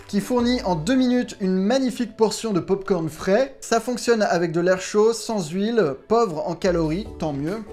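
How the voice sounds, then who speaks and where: A man's voice: high voice, darkish tone. Playful, self-mocking man hosting a vlog. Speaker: YouTube host testing gadgets. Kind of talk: casual unboxing vlog.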